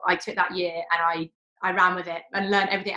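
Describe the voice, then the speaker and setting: A woman talks very fast in an English accent. Her tone is bright and sharp. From England. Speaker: ecommerce business co-founder. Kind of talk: podcast interview.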